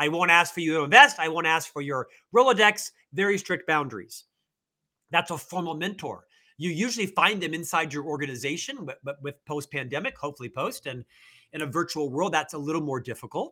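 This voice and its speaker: With an American accent, a man talks at a fairly quick pace in a fairly high pitch, his tone bright and sharp. His intonation is lively, and the recording is very clean with a silent background. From Orlando, Florida. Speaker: author and mentor. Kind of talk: interview answers.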